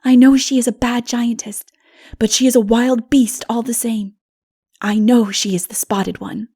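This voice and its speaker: A woman voicing an earnest, innocent, frightened little boy in a dramatic storybook reading, with halting, childlike delivery. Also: fairly high pitch, steady tone, mellow, slightly rough. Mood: wary insistence. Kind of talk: dramatic audiobook character reading.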